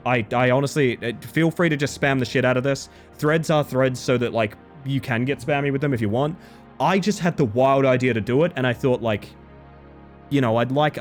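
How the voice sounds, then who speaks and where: A man streaming a video game, slightly hoarse, talking to his chat in an animated, joking way. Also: mid-range voice. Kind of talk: casual live-stream chat.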